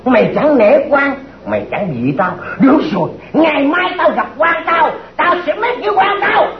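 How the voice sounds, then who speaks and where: A man's voice: sits high, huge pitch swings, normal speed, heavily acted. A man playing a boastful, quarrelsome blind fortune-teller in a stage comedy skit. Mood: defiant. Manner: bragging, quarrelsome, wildly swooping delivery. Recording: dull, roomy old recording.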